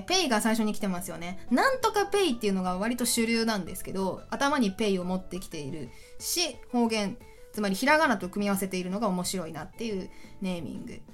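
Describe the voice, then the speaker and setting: A woman's voice: medium pitch, very animated, fast, soft background music. A woman hosting a casual solo podcast, chatty and enthusiastic, often laughing as she talks. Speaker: podcast host.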